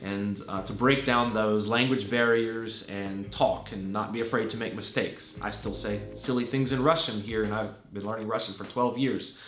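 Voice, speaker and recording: A man's voice: fairly low pitch, fairly even intonation, normal speed, few pauses, fairly bright tone. A man in his thirties from Virginia with an American accent, an English teacher giving earnest, thoughtful interview answers full of small fillers and restarts. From Virginia, USA. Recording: echoey room with faint music.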